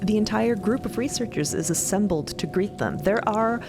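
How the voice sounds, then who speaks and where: A woman's voice: medium pitch, lively intonation, moderate pace, over music. A woman narrating a scripted fiction podcast in a conversational, storytelling style.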